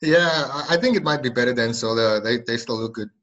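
A man's voice: medium pitch, fast talker, fairly bright tone, highs cut off. A man in his forties from South Africa, a podcast guest chatting casually, jokey and often laughing, with plenty of ums. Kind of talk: casual interview chat.

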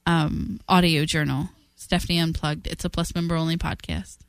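A woman's voice: sits low, steady tone, normal speed, dry recording, studio quality. A woman co-hosting a fan podcast in casual chat, frank and a little sleepy, laughing easily. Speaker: podcast co-host.

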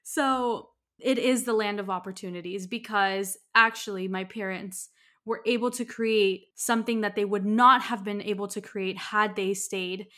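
Woman in her 30s from miami ranting on her podcast, frank and laughy, mid pitched voice. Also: steady tone, moderate pace, sharp tone. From United States (Miami). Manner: candid, ranting, laughs often. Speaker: podcast host. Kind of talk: casual monologue.

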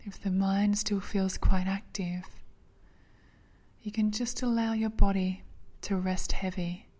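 Female sleep meditation narrator, soft half-whisper, soothing, level pitch, unhurried delivery. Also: little pitch movement.

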